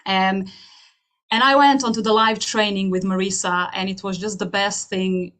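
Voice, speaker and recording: A woman with a Slovenian accent speaks at a middle pitch. She addresses an online audience with a personal testimonial. Her delivery is earnest and emphatic, building on repeated phrases. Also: fairly even intonation, normal speed, a bit bright. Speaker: hypnotherapist speaking at an open house.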